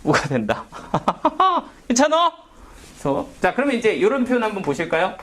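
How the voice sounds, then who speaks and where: A man's voice: high-pitched, very animated, fast talker, fairly bright tone. A man teaching a math lesson in a casual, questioning way, often asking and answering himself. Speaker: math tutor. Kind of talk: whiteboard math lecture.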